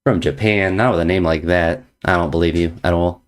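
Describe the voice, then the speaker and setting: A man's voice: low voice, steady tone, fairly quick, clean tone. A man streaming chess, chatting casually with viewers in a playful, teasing way, repeating jokey slang phrases. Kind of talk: casual chat reading viewer messages.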